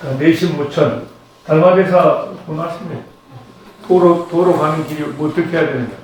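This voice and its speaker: A man's voice: a little high, darkish tone, a little hiss or hum. Older man lecturing in an echoey room. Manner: conversational, leads slow chanting. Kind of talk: Buddhist lecture. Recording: very echoey room, distant mic.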